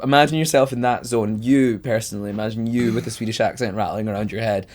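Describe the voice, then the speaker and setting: A man's voice: lowish voice, steady tone, fast, darkish tone. Man, Scottish accent, thirties, podcast co-host, playful storyteller. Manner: playful, self-mocking storyteller. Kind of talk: casual chat.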